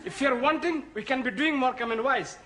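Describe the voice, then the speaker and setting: A man's voice: very high voice, a little fast, fairly bright tone. An actor playing an earnest Indian student as amateur comedy straight man, declaiming stilted English with a South Asian accent. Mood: earnest, indignant. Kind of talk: sitcom double-act routine. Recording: audience and faint noise behind.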